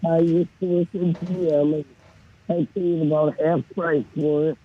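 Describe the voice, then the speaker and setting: A woman with a raspy, deep voice calling in to a radio show, a bit groggy and hesitant. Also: little pitch movement, a little slow. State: groggy after bed rest. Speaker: caller. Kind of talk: casual call-in chat. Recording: dull lo-fi phone line.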